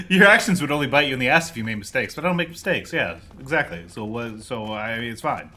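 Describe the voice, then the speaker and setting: A man's voice: medium pitch, lively intonation, brisk, sharp tone. A young man streaming a video game, talking casually with sarcastic, profane jokes.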